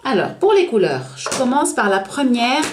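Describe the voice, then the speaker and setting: A woman reviewing nail polish in a casual, chatty way, hesitating often and correcting herself, slowing down to spell out each shade name. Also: a little high, big pitch swings, noisy background. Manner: chatty, hesitant, full of filler and self-corrections; slows down to read out shade names. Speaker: beauty vlogger.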